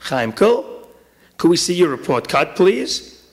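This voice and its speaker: Man as a high-voiced, sweetly expectant mother. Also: very animated, unhurried. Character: mother, cheerful, expectant, gently insistent.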